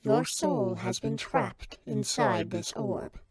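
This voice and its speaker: A woman's voice: on the high side, expressive, slow, over a noisy crowd. A woman playing an imperious, exasperated God in a comedy skit, solemn in pronouncements but bluntly sarcastic.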